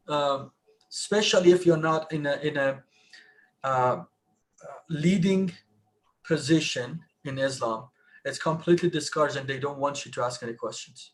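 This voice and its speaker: Man telling a story in halting restarts. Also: on the high side. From Iran. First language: Persian. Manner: halting, many restarts, rising emphasis. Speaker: panelist. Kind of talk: live online discussion.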